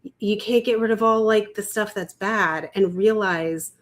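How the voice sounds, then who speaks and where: A woman's voice: medium pitch, normal speed. Woman rambling on a glitchy video call, audio cutting out and sped up. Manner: rambling, many "like" fillers. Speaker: podcast guest. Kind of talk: casual chat.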